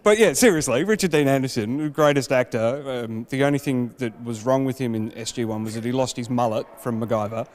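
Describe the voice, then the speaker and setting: A man's voice: mid-range voice, brisk, few pauses. A man hosting an interview, asking playful, teasing questions in casual chat. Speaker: interviewer host.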